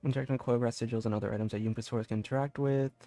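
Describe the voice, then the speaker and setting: A man's voice: medium pitch, fairly even intonation, very fast, mellow. A man streaming a game, chatting casually and thinking aloud in a loose, rambling way. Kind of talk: casual livestream gameplay chat. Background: faint game music.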